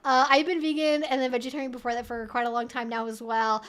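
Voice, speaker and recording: A woman's voice: on the high side, little pitch movement, quick pace, a bit bright, smooth. A woman hosting a casual live Q&A, chatty and rambling as she thinks aloud while answering viewers. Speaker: livestream host answering viewer questions. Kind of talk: casual live Q&A chat, reading out viewer messages.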